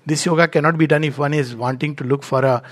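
A man's voice: on the high side, steady tone, quick pace. A man with a North Indian accent gives a spiritual discourse as a teacher, in an emphatic storytelling manner with acted-out dialogue. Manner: emphatic, storytelling, chuckles at own remarks.

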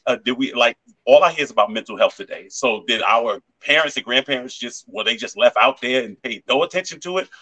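A man's voice: medium pitch, a bit bright, low-quality recording. A man co-hosting a casual podcast, thinking aloud and asking broad questions.

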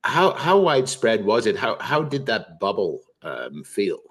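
A man's voice: fairly low pitch, wildly swooping pitch, unhurried, a bit bright, breathy edge. A man from the Netherlands hosting a podcast, asking interview questions hesitantly with many fillers. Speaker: podcast host.

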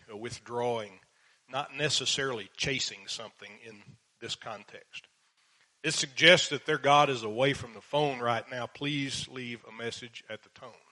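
A man teaching the Bible verse by verse, reading passages slowly and then explaining them with dry sarcastic asides. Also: mid-range voice, bright, forceful tone.

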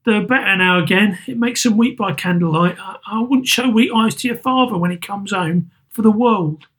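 A man voicing a gentle, anxious working-class mother, soft and raised in pitch. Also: normal speed. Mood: tender sad.

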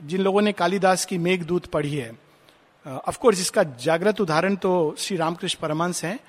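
A man, giving a reflective spiritual discourse and slowly reading English verse aloud. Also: sits high. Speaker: spiritual speaker. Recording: long hall reverb.

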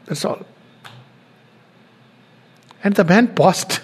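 High-voiced man. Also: extremely slow, breathy edge. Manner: explanatory, builds points step by step. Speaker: spiritual lecturer. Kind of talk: spiritual teaching talk.

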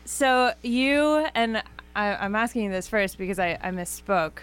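A woman's voice: mid-range voice, expressive, measured pace, a bit bright, smooth. An American woman hosting a radio interview in a studio, chatty and enthusiastic, poking fun at herself. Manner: chatty, enthusiastic, self-deprecating. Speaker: radio host.

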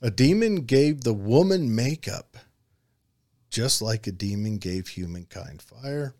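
A man with an Appalachian accent co-hosts a casual talk show. He speaks in a folksy, rambling, self-deprecating way, at a middling pitch. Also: lively intonation, slow, darkish tone. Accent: Appalachian hillbilly. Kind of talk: casual chat, reading out listener comments.

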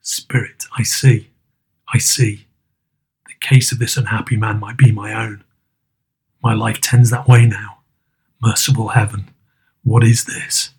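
Hushed old miser, lower and husky, trembling pleas, read by a male narrator. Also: flat delivery, a little slow, long pauses, exaggerated voice. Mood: horrified. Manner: hushed, trembling, half-whispered. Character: frightened old miser, pleading.

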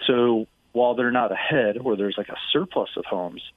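A man's voice: mid-range voice, normal speed. A middle-aged man, a real estate investor, answering interview questions energetically and often tossing in "right?". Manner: energetic, fluent, fond of "right?" and "like". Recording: tinny phone line, dry.

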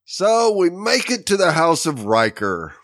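Easygoing guy cohost, talks slow, dry close sound. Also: on the high side, huge pitch swings, creaky, a bit bright, no echo. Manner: easygoing, agreeable, short replies. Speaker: podcast co-host. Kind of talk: casual chat recapping a TV episode.

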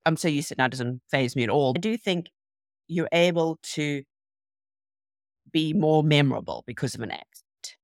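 Woman, South African accent, low register, reflective conversational interviewee, dry recording. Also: expressive, normal speed, no room sound. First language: Afrikaans. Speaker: interview guest, nurse.

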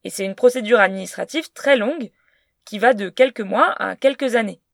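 A woman's voice: on the high side, brisk, vocal fry, no room sound. A woman giving a scripted, explanatory narration at a close studio mic. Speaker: podcast narrator.

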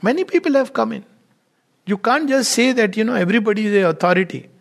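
A man with an Indian accent speaks as a spiritual teacher in an informal discourse. His voice sits quite high for a man and has a marked gravelly creak. He is emphatic and digressive, often repeating a phrase to drive it home. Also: expressive, quick pace. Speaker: spiritual teacher giving a talk. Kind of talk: informal discourse with read-out quotations and commentary.

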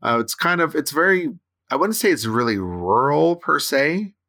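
A man's voice: fairly high pitch, expressive, normal speed, creaky, sharp tone. A man in his thirties from Canada, co-hosting a casual chat with rambling, restarting sentences and tag questions. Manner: rambling, with frequent restarts and "right?" tags.

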